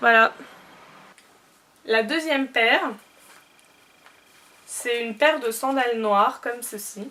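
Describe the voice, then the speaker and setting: A woman's high voice at a very slow pace, with ordinary pitch variation and long, frequent pauses. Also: big swings in loudness. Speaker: holiday camp counsellor. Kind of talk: casual product review to camera.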